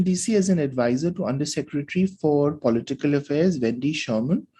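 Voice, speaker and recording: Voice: mid-range voice, warm tone, husky. A tutor reading a test passage aloud and explaining which answer is correct, checking in with "right?" as they go. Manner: talks through reasoning, asks "right?" for checks.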